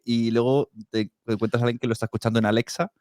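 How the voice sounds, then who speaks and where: A man's voice: mid-range voice, little pitch movement, very fast, a little mellow, no room sound, clean studio sound. A man with a Castilian accent from Spain chats informally on a podcast, acting out little imagined remarks to make his points. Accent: Castilian Spanish from Spain. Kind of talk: casual podcast conversation.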